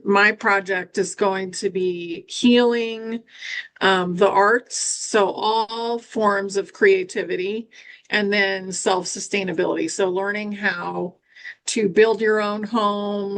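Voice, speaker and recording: A woman's voice: medium pitch, rough recording. A woman co-hosting a casual conversation, speaking in an earnest, easygoing way. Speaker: co-host. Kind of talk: casual chat.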